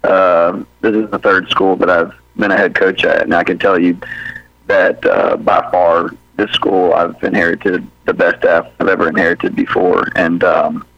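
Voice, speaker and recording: Laid-back low-voiced coach on radio. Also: male voice, flat delivery, measured pace, vocal fry, a bit bright, no room sound. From Birmingham, Alabama. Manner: easygoing, rambling, many fillers and restarts. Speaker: high school football head coach. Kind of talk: interview on a sports radio show. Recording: dull lo-fi radio audio.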